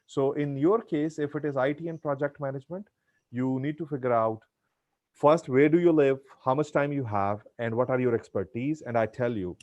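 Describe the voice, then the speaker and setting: A man's voice: medium pitch, normal speed, a little mellow, no echo, highs cut off. Indian guy, middle-aged, earnest advice over a video call, dry sound. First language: Punjabi. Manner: earnest, advisory, repeats himself. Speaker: guest speaker. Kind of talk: answering audience questions.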